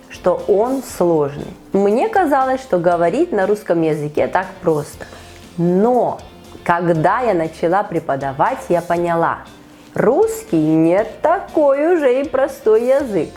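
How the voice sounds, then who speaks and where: A woman hosting an online conversation as a Russian teacher, asking a learner measured, encouraging questions. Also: mid-range voice, a little mellow. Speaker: Russian teacher and podcast host. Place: online call.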